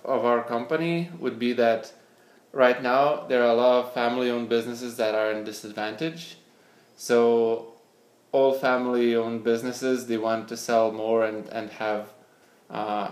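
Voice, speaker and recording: A young Lithuanian man, a scientist who founded a startup, is the guest in an interview, and he answers hesitantly, often repeating words while he searches for them. His voice sits in the mid range with fairly even intonation and a slightly slow pace. The room is echoey.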